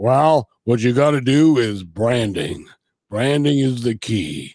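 A man uses a put-on character voice at medium pitch. He goes at a fairly slow pace with very even loudness.

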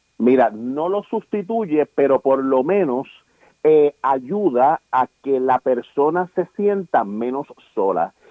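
At a very slow pace, a man talks with a fairly high pitch and lively intonation. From Puerto Rico, Ponce. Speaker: counseling psychologist. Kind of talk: radio interview.

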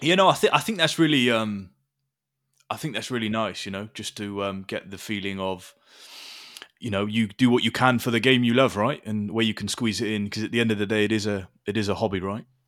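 A man talks at a fairly quick pace with ordinary pitch variation and a plain, everyday voice. The recording is very clean, with a silent background. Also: fairly low pitch for a man. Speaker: podcast host. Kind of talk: casual interview.

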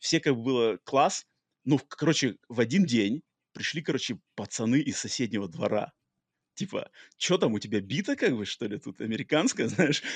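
An unremarkable speaking voice moves at a moderate pace with lively intonation, set against a quiet background and a dry, close sound with no echo. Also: man, medium pitch for a man. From Russia-born, raised in US. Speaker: podcast host. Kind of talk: casual conversational chat. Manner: talkative, informal, fillers.

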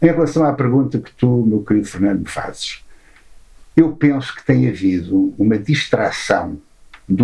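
Somewhat breathy, this man's voice has a dark, mellow tone. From Portugal. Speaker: medical doctor and author. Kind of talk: interview conversation. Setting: library recording room.

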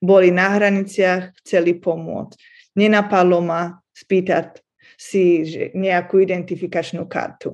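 Over a quiet background, the speech comes at a fairly slow pace with monotone, flat intonation. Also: woman. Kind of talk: interview.

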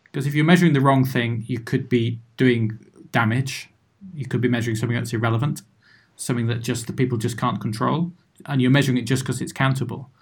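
Speaking very fast in an English accent, a man with a somewhat breathy, medium-pitched voice keeps his intonation fairly even. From England. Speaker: podcast host. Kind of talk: interview conversation.

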